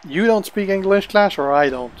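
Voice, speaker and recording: On his gaming livestream, a native French speaker with a French accent talks easily with his audience, laughing often. His voice sits high and moves at a normal speed.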